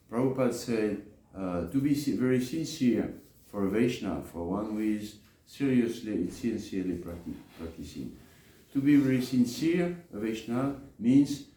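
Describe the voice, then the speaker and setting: A man preaching in a scripture lecture, speaking haltingly and hesitantly, with frequent pauses and repeats. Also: on the low side, mellow. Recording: echoey room with faint background noise.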